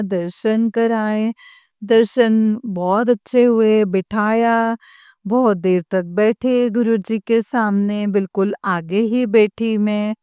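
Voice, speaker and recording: A woman shares a devotional story in an earnest, heartfelt way. Her fairly high voice is smooth and clear, and she speaks slowly. The sound is dry and close. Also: warm tone, no echo. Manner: earnest, repeatedly addresses listeners as congregation; emotional, heartfelt. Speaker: devotee sharing an experience. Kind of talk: devotional testimony to listeners.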